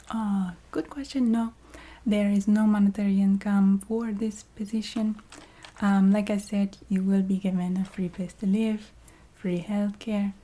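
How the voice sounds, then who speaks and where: A woman voicing a polite, businesslike vampire recruiter in an ASMR roleplay, speaking in a soft half-whisper with a put-on foreign accent and halting, apologetic formality. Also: mid-range voice, slightly rough. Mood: matter-of-fact. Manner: halting, formal, polite filler-laden explaining.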